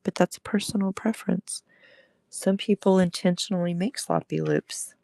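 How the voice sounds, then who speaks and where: A woman's voice: fairly low pitch, steady tone, moderate pace, creaky, dark tone, no room sound. A woman getting over an illness, chatting casually with viewers on a live stream while she demonstrates how to make jewelry and welcomes people by name. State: recovering from illness, gravelly throat. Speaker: jewelry maker selling on a livestream. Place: home crafting space.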